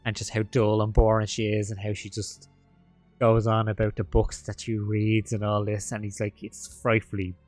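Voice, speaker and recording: A man narrating as game master, talking in a halting way full of fillers and restarts. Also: lowish voice, completely flat delivery, darkish tone, faint music behind.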